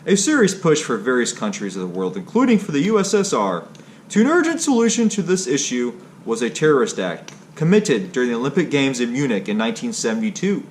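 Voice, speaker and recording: A man with a mid-pitched voice reads a history aloud as narrator. His delivery is stilted and unsure on difficult words, with faint ambient noise behind him. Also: wildly swooping pitch, a little fast. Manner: stilted reading, stumbling on hard words.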